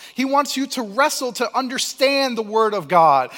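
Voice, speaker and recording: Over noticeable background noise, a man projects a raised voice at an extremely high pitch with lively intonation. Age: 20s. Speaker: preacher. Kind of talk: sermon. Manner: animated.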